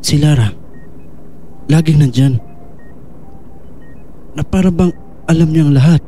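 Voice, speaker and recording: A man's voice: on the high side, a little slow, warm tone, a little hiss or hum. A man acting a troubled, earnest young man with lost memories in an audio drama.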